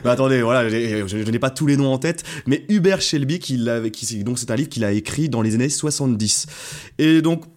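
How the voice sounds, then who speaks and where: Young man, podcast co-host, playful banter, trips over names, mid pitch. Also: animated, a little fast, a little mellow. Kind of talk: casual chat.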